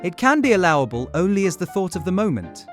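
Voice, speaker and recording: An actor playing an eager, gallant young gentleman, smooth and persuasive, in an audiobook period drama. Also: high-pitched, sing-song, fast talker, soft background music. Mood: reasoning. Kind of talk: audiobook full-cast period drama acting.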